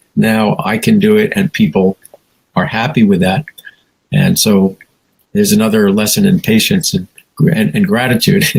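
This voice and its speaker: At a moderate pace, a man with a fairly high pitch makes very wide pitch swings while keeping his loudness very even. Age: 60s. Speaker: spiritual teacher and author. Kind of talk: interview.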